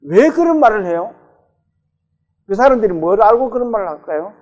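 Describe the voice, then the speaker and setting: A man's voice: high-pitched, very animated, brisk, a little mellow. A male pastor preaching a sermon in a church, talking with the congregation and putting questions to them. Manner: conversational, asks the congregation questions. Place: church sanctuary. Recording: dull, reverberant church recording.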